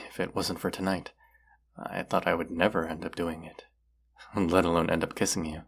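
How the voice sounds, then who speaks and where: Man acting a husky, very gravelly young romantic crush. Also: full character voice. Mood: tender, confessing. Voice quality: husky, breathy, gravelly low voice. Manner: slow, hushed, teasing, trailing pauses. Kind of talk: intimate romantic audio roleplay.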